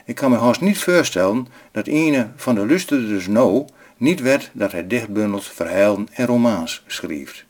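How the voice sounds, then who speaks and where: Low-voiced man introducing on radio. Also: lively intonation, unhurried, hardly any pauses, darkish tone. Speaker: radio presenter. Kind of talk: scripted introduction.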